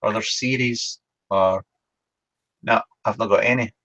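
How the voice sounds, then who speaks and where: A man's voice: fairly low pitch, fairly even intonation, a little slow, a bit bright. A man from Fife with a Scottish accent, chatting casually and hesitantly as a guest on a livestream. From Fife, Scotland. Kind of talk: casual chat. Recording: dull, lo-fi online call audio.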